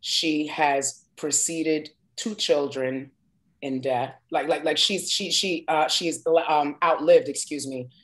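Low-voiced woman telling lively stories. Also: takes it slowly. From New York. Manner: warm, expressive storyteller with emphatic asides. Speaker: guest singer. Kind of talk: casual interview chat.

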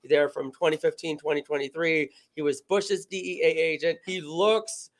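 A young man with a somewhat high voice co-hosts a relaxed political chat from a bar table. He talks in an easygoing way and keeps dropping in quick "yeah"s and agreements while his co-host speaks. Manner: chatty, chimes in with quick agreements.

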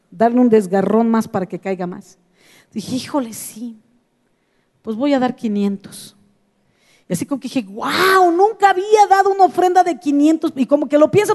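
A woman with a Mexican accent preaching a sermon, telling stories in a lively way and acting out her own past reactions. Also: high voice, big-room sound. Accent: Mexican Spanish.

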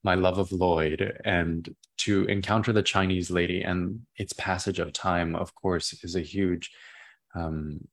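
A young man with a naturally deep voice, a playwright answering interview questions in an expansive, enthusiastic way that drifts into tangents. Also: steady tone, a little slow, gravelly. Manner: expansive, enthusiastic, prone to tangents and repeated words.

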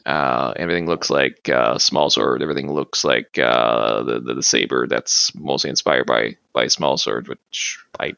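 A man's voice: rumbling low, moderate pace, gravelly, hardly any pauses, bright, forceful tone, no room sound, dull audio. A man whose first language is French, talking as a podcast guest, hesitant, with many fillers and restarts. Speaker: guest, martial arts practitioner. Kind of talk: casual interview talk.

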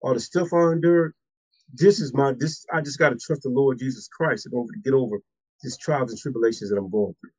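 A husky-voiced man hosts a faith interview as a minister, with a preacher's cadence and a steady stream of amens. The sound is dry and close, with no room around it. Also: mid-range voice, a little fast, no room sound, low-quality recording.

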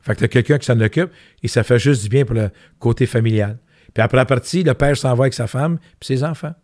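A man's voice: medium pitch, fast talker, darkish tone, no room sound, clean studio sound. An older man with a Québécois French accent, a guest giving candid interview answers and telling anecdotes with emphatic repetitions.

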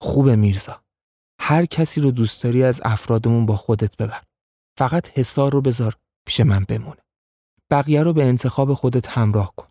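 A man voicing a scheming, powerful male tribal chief who speaks calmly and calculatingly in an audio story. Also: mid-range voice, no room sound, studio quality, lightly acted.

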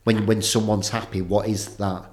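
Man, very low voice, blunt questioning host in an echoey room. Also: level tone, normal speed, darkish tone. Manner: blunt, swears, asks probing questions. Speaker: podcast host. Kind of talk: casual podcast conversation.

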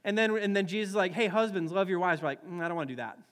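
A young man from Wisconsin preaching a sermon as a pastor, animated and acting out quoted voices with many restarts. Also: high-pitched, rapid-fire. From Wisconsin, US Midwest.

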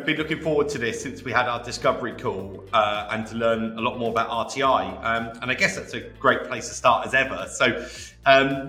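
Bright-voiced male podcast host, roomy sound. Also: medium pitch. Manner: upbeat, uses many fillers. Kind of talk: podcast hosting and interviewing.

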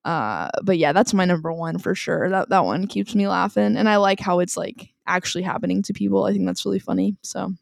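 A woman's voice: medium pitch, fairly quick, gravelly, few pauses, dry recording, studio quality. A woman co-hosting a podcast in casual chat, chatty and laughing often, with plenty of fillers. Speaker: podcast co-host.

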